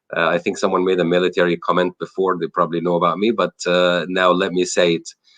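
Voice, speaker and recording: Speaking very fast, a man talks with a non-native accent. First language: not English. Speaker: guest speaker, works with military. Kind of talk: casual chat.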